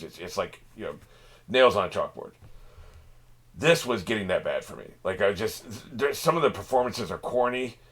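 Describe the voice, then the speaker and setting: A man's voice: on the low side, a bit bright. A man hosting a reaction channel, talking off the cuff in a rambling, profane way with many restarts. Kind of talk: casual unscripted monologue.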